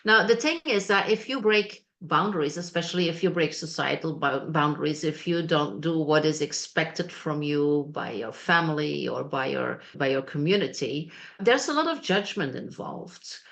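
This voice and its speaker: Low-voiced woman hosting a talk show. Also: lively intonation, moderate pace, gravelly, few pauses, fairly bright tone. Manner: encouraging, with frequent affirming interjections. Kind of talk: interview hosting.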